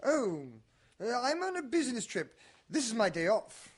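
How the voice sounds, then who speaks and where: An actor playing a sly would-be murderous heir in a radio mystery drama, arch, taunting and falsely genial. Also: male voice, very high voice, sing-song, moderate pace, heavily acted. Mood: evasive, smug. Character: sly, mocking male heir with murderous plans.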